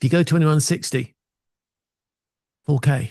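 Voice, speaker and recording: A man with a dark, mellow tone and a somewhat breathy voice talks at a moderate pace with ordinary pitch variation, the sound dry and close with no echo. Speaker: AV technology channel host. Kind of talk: casual tech commentary. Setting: small home studio. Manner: briefly whispering as a joke.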